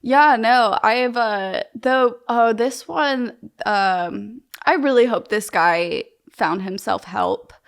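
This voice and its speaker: A woman's voice: a little high, slow, hardly any pauses. Young woman chatting with lots of "like"s. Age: young adult. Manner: chatty, loose, heavy use of "like" and "um". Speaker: interview guest. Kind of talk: casual interview talk.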